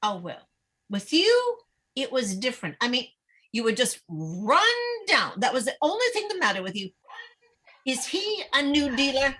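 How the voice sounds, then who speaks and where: Casting: actress as needy small-town mom, middle-aged, fretful, halting delivery, higher-pitched voice. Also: female voice, sing-song, fairly bright tone, full character voice. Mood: fussing, doubtful. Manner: halting, stammering, rambling. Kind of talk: dramatic table read of a screenplay.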